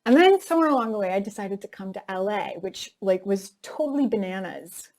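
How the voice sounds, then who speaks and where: A woman's voice: mid-range voice, lively intonation, brisk, a little mellow. Candid woman telling her story. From North America. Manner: candid and reflective, with frequent "like" and "you know". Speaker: actress interviewee. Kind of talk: personal storytelling interview.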